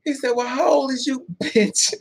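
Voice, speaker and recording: A woman's voice: high-pitched, moderate pace, gravelly, darkish tone, husky, dry recording. A woman in her thirties, vlogging a dating story in casual, profane storytelling, acting out both sides of the talk with laughing asides. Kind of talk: casual storytelling with quoted dialogue.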